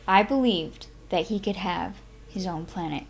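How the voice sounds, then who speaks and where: A woman hosting a live stream, speaking in an expressive, unhurried way with dramatic, drawn-out phrasing. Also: fairly low pitch, creaky. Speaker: host of a live reading stream. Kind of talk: expressive audiobook-style reading and casual stream chat.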